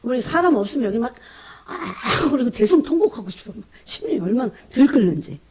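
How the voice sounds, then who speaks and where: A woman preaching a fervent, emotional sermon, often calling out to her congregation and dropping into hushed whispers between bursts of emphasis. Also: a little high, sing-song, fast, slightly rough.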